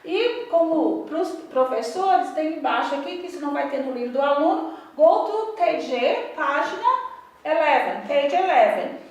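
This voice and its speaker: A woman with a Brazilian Portuguese accent training English teachers in a lively instructional talk, modeling drills aloud with varied intonation. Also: high voice, moderate pace. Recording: echoey room, voice from a distance.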